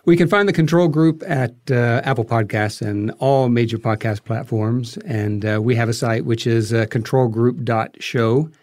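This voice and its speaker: Male podcast guest, medium pitch, explanatory conversational answers, dry studio recording. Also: moderate pace, hardly any pauses, darkish tone, dry recording. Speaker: interview guest, filmmaker.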